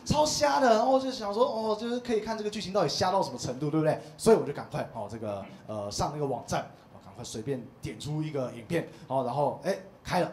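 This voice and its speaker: A man in his thirties performing a stand-up comedy set, telling stories in an animated way and acting out the people in them. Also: fairly high pitch, quick pace, hardly any pauses. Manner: animated storytelling, acts out quoted voices. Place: small comedy club stage. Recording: echoey comedy club with faint noise.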